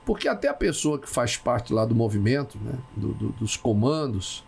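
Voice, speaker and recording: A man hosting a casual talk show, who speaks haltingly and repeats words as he searches for them. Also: medium pitch, very animated, creaky, a little mellow, slight background noise.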